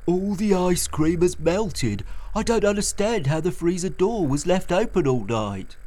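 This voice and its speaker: A woman's voice: on the low side, animated, unhurried, warm tone, poor audio. A woman voicing a flustered, apologetic man who runs a cafe. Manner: apologetic, puzzled.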